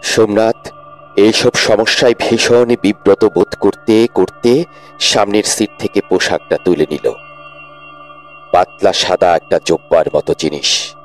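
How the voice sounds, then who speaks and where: A man's voice: fairly low pitch, fairly even intonation, unhurried, faint music behind. A man narrating a dramatic audio story expressively, rising with tension.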